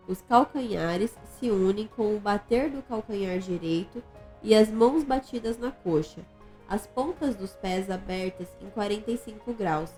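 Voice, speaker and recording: A woman reading an instructional manual aloud in a measured, formal way. She gives extra stress to the command words. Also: mid-range voice, warm tone. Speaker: audiobook narrator.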